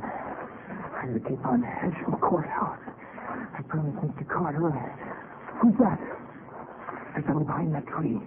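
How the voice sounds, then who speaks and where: Jittery young fugitive, noisy old radio. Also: male voice, on the high side. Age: young adult. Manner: hesitant, jittery. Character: nervous, hunted twenty-year-old male fugitive. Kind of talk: 1940s radio drama acting. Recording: noisy, narrow-band old radio recording.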